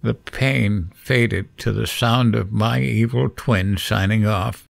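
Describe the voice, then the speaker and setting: A man's voice: lowish voice, fairly even intonation, slow pace, gravelly, full character voice. An actor playing a terrified middle-aged late-night radio host, narrating his horror ordeal in a dramatic first-person audio drama style. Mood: dread.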